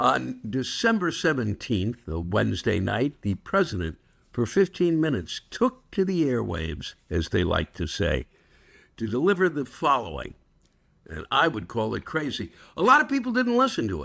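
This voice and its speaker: A man with vocal fry speaks at medium pitch and a moderate pace, his pitch swinging very widely in a very clean recording with a silent background. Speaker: comedian. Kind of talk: podcast intro talk.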